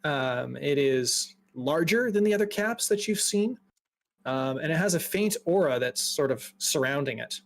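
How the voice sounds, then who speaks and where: A man's voice: a little high, lively intonation, unhurried, vocal fry. A man narrating a tabletop game as game master, describing scenes loosely with many fillers.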